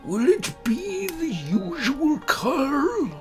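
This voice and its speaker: A man voicing an elderly, insistent and theatrical gentleman doctor in a dramatized horror story. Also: very high voice, sing-song, very slow, faint music behind, pitched above the performer's own voice, exaggerated voice. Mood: hearty, welcoming. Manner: emphatic, theatrical, repeats himself. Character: elderly male doctor friend, genial, insistent, argumentative host.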